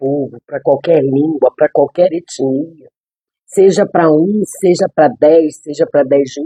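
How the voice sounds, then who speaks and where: This woman's pitch is very deep and low. It varies in an ordinary way. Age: 60s. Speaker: Bible teacher. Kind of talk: devotional talk. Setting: livestream. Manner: halting; plain, simple.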